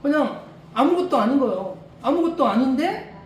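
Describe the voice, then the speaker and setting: During a church service, a missionary delivers a casual sermon in an extremely high-pitched, expressive voice at an ordinary pace. His delivery is chatty, full of repeated rhetorical questions, chuckles, and restarted sentences. It's captured in an echoey space from a far-off mic, with a little background noise.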